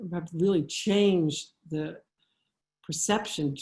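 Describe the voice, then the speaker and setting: The tone is dark and mellow, somewhat breathy. Intonation stays fairly even. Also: woman. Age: 70s. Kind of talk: online lecture.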